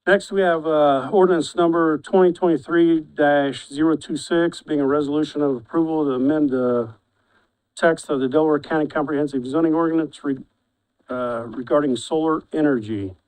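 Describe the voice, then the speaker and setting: A man's voice: on the high side, steady tone, a little mellow, clear, resonant tone, low-quality recording. A man chairing a county commissioners' meeting, reading agenda items and restarting his sentences often. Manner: halting, repeats words when restarting. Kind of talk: formal meeting procedure.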